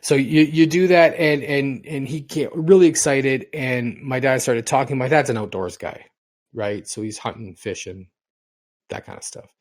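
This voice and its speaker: Middle-aged male podcast co-host, rambly storyteller, mid-pitched everyday voice. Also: normal speed. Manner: rambling storyteller, repeats and restarts words. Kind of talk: casual podcast chat.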